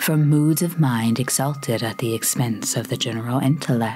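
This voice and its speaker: With music in the background, a woman speaks at a fairly slow pace in a very deep, low pitch with ordinary pitch variation. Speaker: ASMR story narrator. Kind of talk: spooky story narration, ASMR reading.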